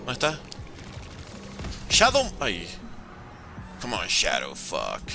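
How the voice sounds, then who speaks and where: Lively, bright-voiced young gaming streamer man. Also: low voice, drawn-out words, creaky, faint music behind. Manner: playful, joking, teasing chat, swears. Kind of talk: live gaming commentary, reading chat.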